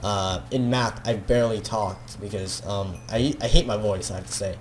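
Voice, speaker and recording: This teenage gaming video creator has a lowish voice and talks at a normal speed, with slight background noise behind him. Speaking with a Filipino accent, he rambles self-consciously through a casual video, stumbling over fillers and restarts.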